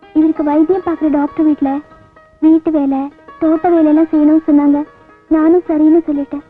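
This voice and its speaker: A caring young wife speaks softly and earnestly in a bright, high voice, played by a woman. The track is thin and phone-like, with faint music behind her. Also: flat delivery, fairly quick, lightly acted. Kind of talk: 1990s Tamil film acting.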